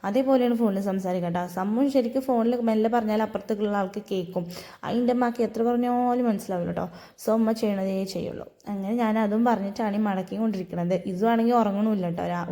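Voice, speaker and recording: A woman's voice: medium pitch, dark tone. A young woman, telling her day in a chatty, storytelling vlog voice-over. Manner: chatty, storytelling, frequent tag "ട്ടോ". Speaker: vlogger.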